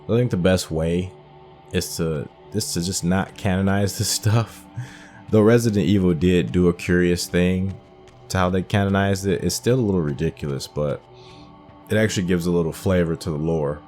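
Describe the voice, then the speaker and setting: A man gives casual commentary over a game playthrough. His voice is extremely deep, and he rambles thoughtfully as he goes. Faint game music sits behind him. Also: fairly even intonation, moderate pace, a little mellow. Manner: rambling, musing. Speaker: gaming host.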